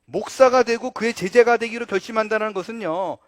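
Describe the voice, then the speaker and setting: A man preaching a sermon as pastor, earnest, swinging from loud emphasis to quiet low asides. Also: fairly quick, no echo, clean studio sound.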